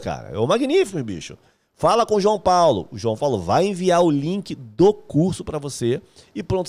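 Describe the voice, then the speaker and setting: A man hosts a live stream, his fairly high voice swinging up and down a great deal. He talks fast and loose, tossing out slang and jokes and calling viewers "brother" as he reads their comments. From Rio de Janeiro, Brazil. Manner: energetic, slangy, joking, calls viewers "meu brother". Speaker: host of a live music course stream.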